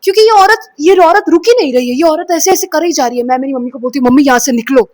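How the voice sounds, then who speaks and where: High-pitched woman from kolkata telling a scary dream, dramatic, dry sound. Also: racing, no room sound. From Kolkata, India. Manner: dramatic, expressive retelling of a dream; mixes in English phrases. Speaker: vlogger. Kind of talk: storytelling vlog.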